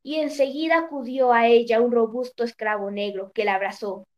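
A woman narrating an old storybook tale in a measured, even reading. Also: a little high, muffled recording.

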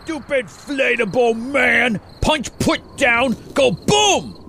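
A man's voice: very high-pitched, expressive, takes it slowly, creaky, pushed and bright, a little hiss or hum, heavily acted. A man playing a dim-witted, childish brute who barks blunt exclamations in broken caveman speech for an audio drama. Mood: angry, boastful.

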